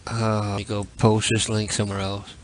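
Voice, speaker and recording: A man's voice: fairly low pitch, completely flat delivery, normal speed, slight background noise. A drunk man hosting a late-night call-in show, rambling, giggling and crude. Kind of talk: casual late-night chat.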